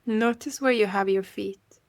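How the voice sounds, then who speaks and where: A woman leading a guided meditation in a gentle, unhurried way, leaving long pauses. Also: mid-range voice.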